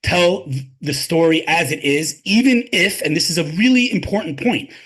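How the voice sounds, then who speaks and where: Guy guest on a podcast, a bit husky, higher voice, talks emphatic, lots of restarts. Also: animated, moderate pace, a bit bright. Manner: emphatic, repeats words when starting sentences. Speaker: interview guest, tech advisor. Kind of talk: conversational interview.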